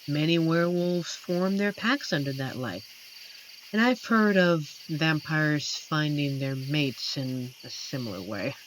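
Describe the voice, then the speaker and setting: A voice actor plays a gentle, amiable, lonely werewolf who protects the forest and comforts a stranger in a scripted, intimate roleplay addressed to the listener. He speaks slowly in a medium pitch, tender, a little corny, expressive and lightly acted, with hesitant pauses in a hushed storytelling mood. Crickets and forest night ambience chirp behind a rough recording with slight hiss or hum.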